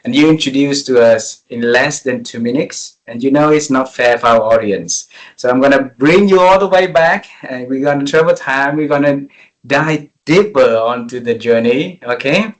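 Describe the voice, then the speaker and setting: A man's voice: medium pitch, moderate pace, rough recording. A man in his forties from Vietnam hosting an interview over a call, speaking English with many fillers and restarts. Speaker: interview host.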